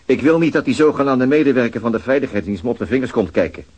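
A man's voice: mid-range voice, lively intonation, fast talker, a little mellow, husky. A man playing a dry, sardonic detective. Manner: dry, sarcastic, questioning. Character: weary, sardonic male police detective. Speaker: police detective. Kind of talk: Dutch radio play acting.

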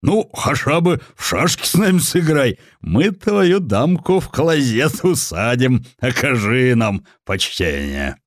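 A man's voice: mid-range voice, big pitch swings, slow, few pauses, dry recording, clean studio sound, voice pushed up. A man voicing a boisterous old-style Moscow merchant who talks in coarse folksy speech. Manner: rustic folksy speech, cajoling.

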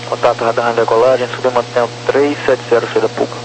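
A man's voice: medium pitch, level tone, fast. A man with a Brazilian accent giving air traffic control instructions as a radar controller over a crackly radio transmission. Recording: crackly, humming, noisy aviation radio.

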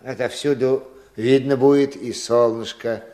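A man's voice: medium pitch, steady tone, unhurried, a little mellow, lightly acted. An actor playing a hearty, eager village organiser in a radio drama, folksy and encouraging as he rallies the men. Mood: pleased, musing. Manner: folksy, encouraging, musing aloud. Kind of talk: Russian radio drama acting.

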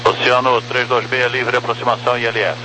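A man's voice: mid-range voice, little pitch movement, brisk, over music. A man with a Brazilian accent speaking as an air traffic controller in clipped, formal phraseology over a two-way radio like CB. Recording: noisy radio transmission with hum.

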